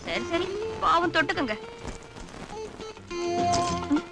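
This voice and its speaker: A feisty, sharp-tongued young woman. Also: extremely high pitch, lively intonation, vocal fry, over loud music, exaggerated voice. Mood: playful. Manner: scolding, quick retorts. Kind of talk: 1980s film acting.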